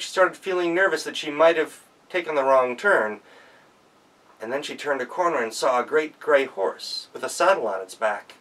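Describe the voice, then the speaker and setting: Male storyteller, gentle rhythmic delivery, gravelly voice, recorded from afar. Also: a little high, distant mic, low-quality recording. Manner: gentle, rhythmic telling with pauses. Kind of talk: folktale storytelling.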